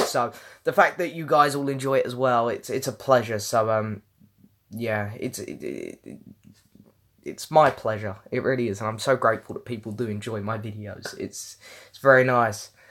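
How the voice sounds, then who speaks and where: On a very clean recording with a silent background, a man with a London accent uses ordinary pitch variation and big swings in loudness. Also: medium pitch for a man, moderate pace. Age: 20s. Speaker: YouTuber. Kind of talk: casual chat. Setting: livestream from home. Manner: halting.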